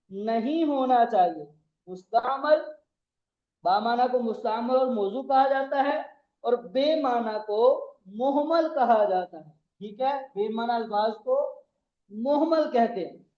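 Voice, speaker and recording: A man's voice: very high-pitched, lively intonation, measured pace. A man with a Pakistani Urdu accent giving a classroom grammar lecture, repeating terms and spelling them out letter by letter. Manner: repetitive, spells out words letter by letter. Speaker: Arabic grammar teacher. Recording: echoey room, dull lo-fi sound.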